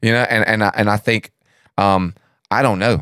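An ordinary speaking voice with ordinary pitch variation. The recording is very clean with a silent background, and the sound is dry and close with no echo. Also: man. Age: 40s. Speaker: podcast co-host. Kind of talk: casual chat.

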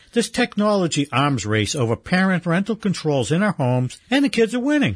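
Against a quiet background, a man talks at a fairly quick pace in a somewhat breathy voice with very wide pitch swings, and the sound is dry and close with no echo. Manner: conversational, easygoing, chatty with humor.

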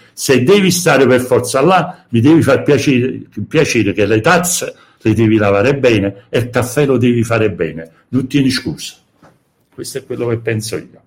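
A man at a moderate pace, medium pitch, somewhat breathy, with lively intonation. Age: 60s. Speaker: sociologist and writer. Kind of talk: interview. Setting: live stream.

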